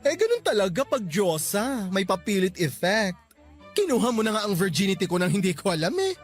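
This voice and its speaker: A flamboyant gay young father in a radio drama. His delivery is campy and bantering, with pitch that leaps around as he protests, sassy but loving. Light music sits underneath. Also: very animated, fairly quick. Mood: playful, sassy.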